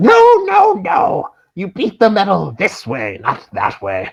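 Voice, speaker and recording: In a put-on character voice, a man talks at a fairly slow pace. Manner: shouting, scolding, irritated.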